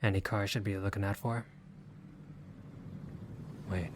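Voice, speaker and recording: Wary young gangster for hire, played by a male actor, lowish voice, gruff but decent, sardonic and guarded, audio roleplay drama. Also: little pitch movement, unhurried, a little hiss or hum, natural voice. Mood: suspicious, exasperated. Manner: guarded, sardonic, casual street talk.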